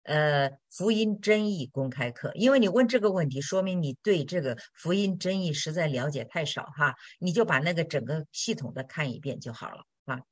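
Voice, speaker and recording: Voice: medium pitch, lively intonation, moderate pace, few pauses, no echo. Blunt Christian teacher answering questions, plain everyday chat, dry close sound. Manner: direct, blunt, colloquial with tag questions. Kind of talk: sermon-style Q&A.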